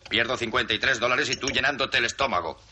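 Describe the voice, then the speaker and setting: A man dubbing a gruff, sloppy divorced man who talks in dry, sardonic jabs. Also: medium pitch, fast, bright, forceful tone, slight background noise. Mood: exasperated. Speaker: dubbing actor. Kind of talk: film dubbing.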